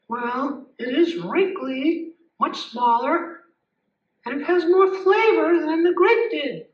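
A man doing a very high-pitched curious puppet. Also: exaggerated voice. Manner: slow, inquisitive, childlike questions. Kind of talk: live puppet show acting. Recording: dull, echoey sound from a far mic.

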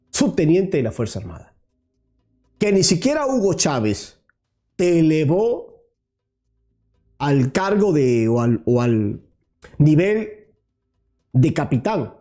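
Recorded on a lapel mic in a small studio with a virtual set, a man in his thirties hosts combative political commentary. His voice is a little high and mellow as he shoots rhetorical questions right at his target.

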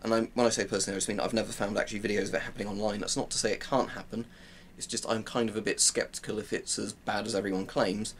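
British male presenter, twenties, lowish voice, informal gear demo, some noise in a home recording. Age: 20s. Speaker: presenter of military gear reviews. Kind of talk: casual explanatory demonstration. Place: small cluttered room at home. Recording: clearly noisy home-room recording.

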